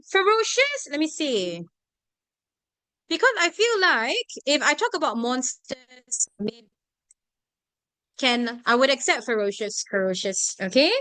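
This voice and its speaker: A woman's voice: sits high, no echo. A woman tutor with a Singaporean English accent, running an online revision class and checking in with her students after nearly every point. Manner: animated, constantly checking in with "right?" and "okay?". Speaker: tuition teacher.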